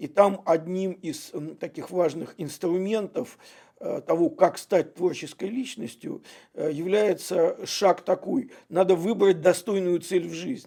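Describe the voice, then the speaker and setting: This man talks at a very slow pace in a high pitch, his tone dark and mellow, with big swings in loudness and ordinary pitch variation. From Russia, Leningrad. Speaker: innovation consultant. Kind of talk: interview. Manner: halting.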